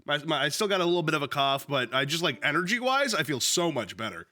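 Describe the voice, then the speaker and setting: Sniffly young man, bright and animated. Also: a little high, fast talker. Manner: loose, joking, swears freely, lots of fillers. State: sniffly, still a little sick. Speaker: streamer reading a book aloud. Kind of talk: casual livestream chat and book reading. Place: at home with his dog.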